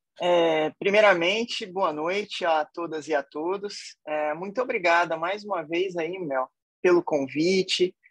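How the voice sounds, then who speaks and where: A woman with a strong São Paulo interior accent speaks at a fairly slow pace and a fairly low pitch, with ordinary pitch variation. The sound is dry and close, without any echo. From Brazil, interior of São Paulo state (São José do Rio Preto). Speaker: chef and entrepreneur. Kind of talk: panel talk.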